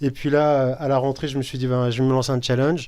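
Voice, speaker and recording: A very clean recording with a silent background carries a voice whose intonation stays fairly even. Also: man. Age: 40s. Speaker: jiu-jitsu coach and YouTuber. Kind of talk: podcast interview. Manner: hesitant, many fillers.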